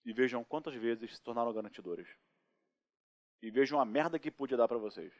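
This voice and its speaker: A man with a Brazilian accent lecturing on criminal law, lively and joking, acting out anecdotes and asking rhetorical questions in a recorded course. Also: medium pitch, a little fast, no echo. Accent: Brazilian Portuguese.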